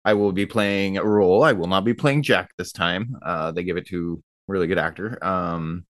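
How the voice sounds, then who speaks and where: A male podcast player talks in a loose, casual way. His voice sits on the low side, and the recording is close and dry, with little room around it. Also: normal speed, a bit bright, dry recording. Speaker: podcast player and stage actor. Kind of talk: casual chat.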